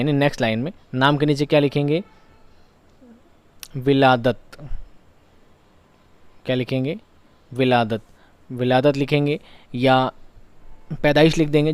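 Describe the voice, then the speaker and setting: A man's voice: medium pitch, a little mellow, clean tone, dry recording. A male teacher giving an exam revision lesson, asking questions aloud and repeating each key answer for his students.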